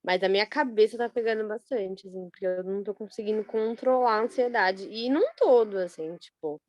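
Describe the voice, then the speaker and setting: A Brazilian woman in a study group, telling a personal story in a chatty, animated way with many fillers. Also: medium pitch, fairly quick, dry recording, muffled recording. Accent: Brazilian Portuguese. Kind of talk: casual personal account.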